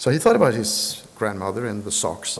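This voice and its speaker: In a Norwegian accent, a man speaks with lively intonation against noticeable background noise. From Norway. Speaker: design council director and economist. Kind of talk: conference talk. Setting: conference hall with audience. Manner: hesitant, many fillers.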